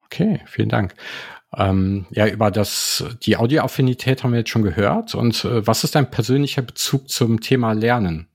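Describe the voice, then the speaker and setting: A man's voice: fairly low pitch, normal speed, breathy edge. A man hosting a podcast, introducing his guest and asking questions in a friendly, slightly hesitant way. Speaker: podcast host. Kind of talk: interview hosting.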